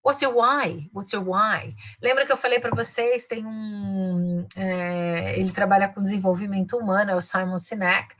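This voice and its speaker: A woman's voice: medium pitch, a bit bright. Chatty Brazilian woman teaching English. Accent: Brazilian Portuguese. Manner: chatty, switches often into English, frequent tag questions. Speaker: English and career coach. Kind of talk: casual online English lesson.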